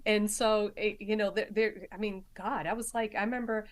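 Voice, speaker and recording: A woman in her forties with a softened Boston accent, a podcast guest who tells family stories in a chatty way and laughs often. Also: medium pitch, fairly even intonation, moderate pace. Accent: Boston, softened by years in Arkansas. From Massachusetts, Boston area. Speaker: guest, nurse practitioner. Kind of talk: casual storytelling chat.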